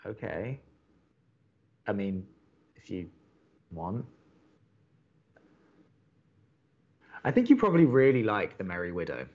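An actor playing an earnest, awkward young college radio co-host in a romantic comedy podcast, hesitant and stammering. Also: male voice, on the low side, very animated, moderate pace, darkish tone, highs cut off. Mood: cheerful, coaxing. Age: young adult.

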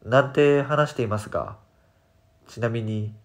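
A man reads scripted ghost stories as a horror narrator, in a measured storytelling manner with dramatic pauses. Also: medium pitch. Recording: background music behind the narration. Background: music.

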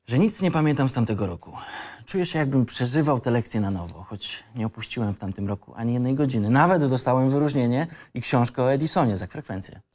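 A rebellious young male student acted by a man with a medium-pitched voice. He sounds ironic and insolent, yet inward-looking, as if in a radio play about a disillusioned youth. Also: a little mellow, close to an everyday voice. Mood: wry, detached. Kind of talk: script reading for audio drama.

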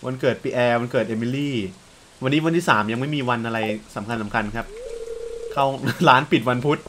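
Young man, let's play commentary, excitable, chatty, quick to exclaim, middling pitch. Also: noisy background. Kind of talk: casual gameplay commentary.

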